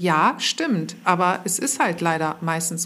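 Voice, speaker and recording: A woman speaks in a somewhat breathy voice. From Germany, Mönchengladbach (Lower Rhine). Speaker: communication coach. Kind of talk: casual chat. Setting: remote call.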